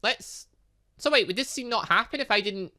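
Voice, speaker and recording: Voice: medium pitch, expressive, normal speed, bright, forceful tone. A chatty gaming host giving rambling let's play commentary, thinking aloud while reading a visual novel and reacting to it.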